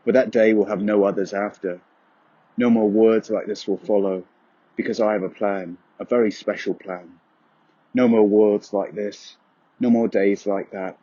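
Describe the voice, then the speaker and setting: A man giving a solemn, brooding, measured dramatic narration of dark poetic prose with a husky voice. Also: on the low side, steady tone, no echo, dull audio. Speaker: voice-over narrator.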